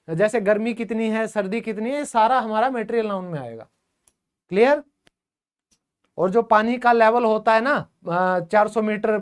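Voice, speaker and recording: A male teacher giving an online grammar class, chatty and constantly checking with his students through quick questions. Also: sits high.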